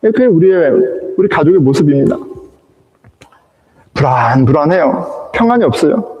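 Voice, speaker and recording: Male pastor for an animated sermon; high, swooping delivery in a reverberant sanctuary. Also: normal speed, dull audio. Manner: animated storytelling, acting out quoted characters. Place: church sanctuary. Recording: echoey church hall.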